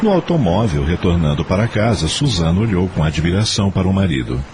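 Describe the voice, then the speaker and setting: A man's voice: deep voice, very animated, a little fast, noisy background. A Brazilian man narrating a radio drama in a scripted storytelling style.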